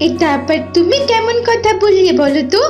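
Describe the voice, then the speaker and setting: A very high-pitched, bratty fox cub girl for a cartoon. She is haughty, whiny and scornful, heard in an echoey space with some music behind. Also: expressive, normal speed, darkish tone. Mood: defiant. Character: cheeky, arrogant young girl fox cub. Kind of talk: cartoon voice acting. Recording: roomy echo with music.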